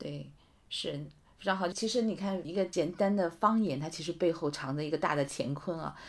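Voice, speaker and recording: A woman speaks at a moderate pace with a fairly low pitch, an unremarkable speaking voice, and ordinary pitch variation. The recording is very clean, with a silent background. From Chongqing. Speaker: podcast host, journalist. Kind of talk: interview.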